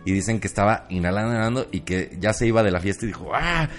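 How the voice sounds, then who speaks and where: A man's voice: lowish voice, steady tone, very fast, faint music behind. A man with a Mexican accent co-hosting a comedy podcast, joking, laughing often and slipping into impressions. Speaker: podcast co-host. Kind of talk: casual comedy chat.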